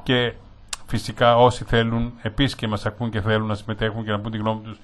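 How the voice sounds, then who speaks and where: A man's voice: fairly low pitch, monotone. A man hosting a studio radio discussion in a Greek community abroad, affirming guests and wrapping up with thanks. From Greek community in Australia. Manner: affirming, wraps up warmly with thanks. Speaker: radio show host.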